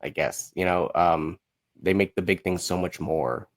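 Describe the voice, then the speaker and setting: Male podcast guest, low-pitched, informal and unscripted, often feeling around for the right word. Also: measured pace. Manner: informal, hesitant, searching for words. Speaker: podcast guest, musical creator. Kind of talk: casual interview chat.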